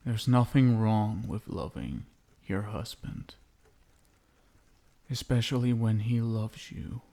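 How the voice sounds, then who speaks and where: Vampire husband, male actor, ASMR roleplay: obsessive and doting with menace underneath, dark mellow tone, gravelly fry, hushed intimate delivery. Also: on the low side, full character voice. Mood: coaxing, adoring. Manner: hushed, crooning, lingering pauses, tender pet names. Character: possessive, lovestruck yandere vampire husband, menacing yet doting.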